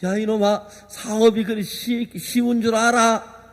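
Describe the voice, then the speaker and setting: A stern father who barks gruff scoldings at his wayward son, as a preacher acts him out. The lines echo with a long reverb in a large hall. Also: high voice, little pitch movement, a little slow.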